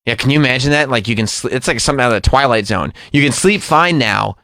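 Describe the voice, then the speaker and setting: A man's voice: medium pitch, pushed and bright, no echo. A man co-hosting a talk show, asking questions and teasing his co-host. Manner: teasing, quick-witted questioner. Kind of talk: casual studio chat. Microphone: studio microphone.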